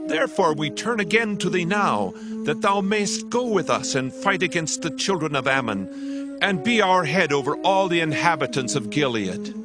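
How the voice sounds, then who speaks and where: A man's voice: on the high side, expressive, moderate pace, music in the background, natural voice. A man playing an earnest tribal elder in a dramatized Bible, making formal, beseeching appeals in archaic English. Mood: earnest, pleading. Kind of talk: dramatized King James Bible acting.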